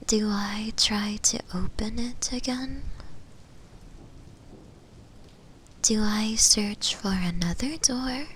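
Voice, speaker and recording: A woman voicing a possessive female shadow demon in a breathy, hesitant, musing whisper for an ASMR roleplay. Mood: anxious, questioning. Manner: slow, hesitant, musing, with pauses. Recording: close whisper with low rumbling noise.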